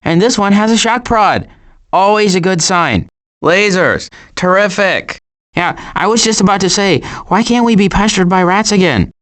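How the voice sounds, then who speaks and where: A man voices a cautious, anxious adult male turtle in an animated video game, using a high-pitched voice at normal speed. The character is fretful and wry, worried yet dry, with deadpan sarcasm and stammering.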